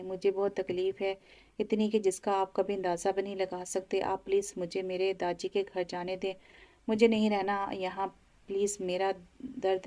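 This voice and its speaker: A woman's voice: medium pitch, dark tone, natural voice. A woman voicing a heartbroken young wife in an audio novel, pleading in a tearful way.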